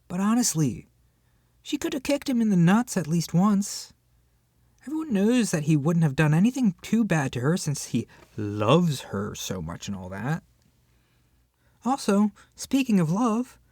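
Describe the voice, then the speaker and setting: A voice actor playing an irritated book club member ranting in a one-sided roleplay, exasperated and sarcastic with dramatic pauses. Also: mid-range voice, darkish tone, no room sound, clean studio sound.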